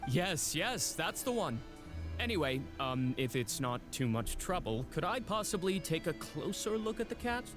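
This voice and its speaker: A man's voice: on the high side, very animated, moderate pace. An actor playing a courteous, apologetic male shelter director, speaking in a formal, polite manner. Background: game music.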